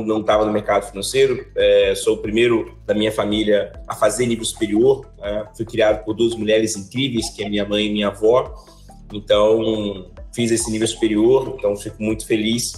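A man's voice: mid-range voice, reverberant. A man in his forties from Salvador, Brazil, a finance educator, talking animatedly with his hands as a guest in a video-call interview. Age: 40s. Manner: animated, gestures with both hands while explaining. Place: office with large windows.

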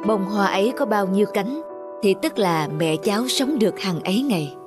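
A woman acting out a kind old forest grandmother in a cartoon, her voice pitched low and soft for age as she soothes and advises. Her delivery is slow and gentle, rising and falling a good deal, with background music running behind it. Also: expressive, close to an everyday voice. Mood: gentle, soothing.

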